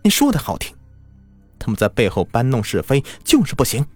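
A sneering white fox spirit from a spoken folk tale, haughty and mocking, with snorts of contempt, as a male storyteller puts it on. The voice sits high and lifted above a plain speaking voice, with bright, jumping pitch and a dry, close sound. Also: wildly swooping pitch, brisk, slightly rough, dry recording, faint music behind. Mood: smug. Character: smug haughty white fox spirit possessing a village wife.

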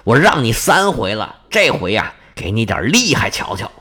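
A male storyteller voicing a bold, confident young hero who talks brisk and polite, turning cocky. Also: on the low side, big pitch swings, bright, forceful tone, husky, pitched below the performer's own voice, heavily acted.

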